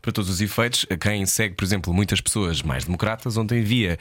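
A Portuguese man with a European Portuguese accent hosting a radio interview, lively and opinionated as he asks probing questions. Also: on the low side, fast talker, dry recording. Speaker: radio host. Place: radio studio.

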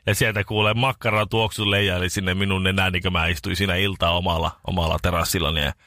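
Bright-voiced man telling a rambling story. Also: sits low, no echo, studio quality. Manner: rambling, animated anecdote with many restarts. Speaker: radio morning show host. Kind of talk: casual storytelling chat.

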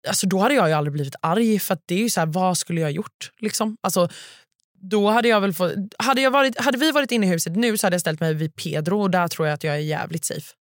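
A woman's voice: lowish voice, dry recording, studio quality. A young woman from Gothenburg with a Gothenburg Swedish accent, chatting casually as a podcast co-host with lots of fillers. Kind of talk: casual chat.

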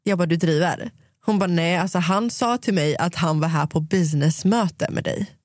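A woman's voice: fairly low pitch, darkish tone, dry recording, clean studio sound. A young woman chatting casually on a podcast, retelling a story through lots of quoted dialogue and slipping English phrases into her Swedish.

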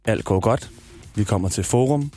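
A man's voice: on the low side, warm tone, soft background music. A man co-hosting a radio show, telling stories casually and acting out quotes. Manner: storytelling, acts out quotes. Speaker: radio host. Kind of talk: casual chat.

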